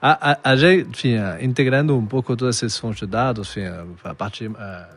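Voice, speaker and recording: A man speaks as a podcast guest. He explains things in a slow, halting way. His talk is full of fillers and restarts. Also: medium pitch, a bit bright, slightly rough. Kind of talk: casual podcast conversation.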